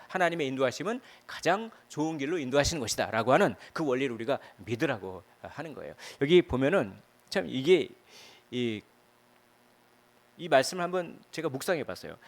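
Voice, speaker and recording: A male pastor preaching a Sunday sermon in a church, chatty and animated, with many fillers and rhetorical questions. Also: medium pitch. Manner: animated, piling up emotional verbs. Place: church sanctuary.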